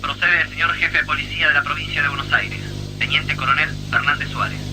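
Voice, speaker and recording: A man's voice: on the high side, little pitch movement, fast talker. An actor playing a curt, commanding male police headquarters operator who speaks over a two-way radio in formal radio protocol and spells words out letter by letter. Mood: cold, commanding. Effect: heard over a two-way police radio. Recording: noisy radio transmission.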